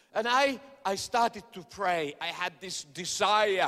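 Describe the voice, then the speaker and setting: A man projects a raised, bright and sharp voice at a high pitch. He talks fairly slowly, and his intonation is lively. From China. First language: Chinese. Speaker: preacher. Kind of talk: sermon. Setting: church stage with audience. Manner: loud.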